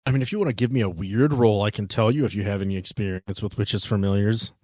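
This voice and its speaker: A man's voice: fairly low pitch, fast, dark tone, no echo. Casual male game master, dry close sound. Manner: casual, descriptive, with frequent restarts and asides. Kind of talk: narrating a tabletop game.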